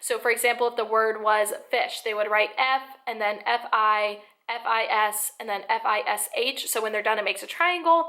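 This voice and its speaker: Her voice sits at a fairly high pitch for a woman and shows ordinary pitch variation. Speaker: elementary school teacher, video blogger. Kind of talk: Q&A vlog. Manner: fast; energetic.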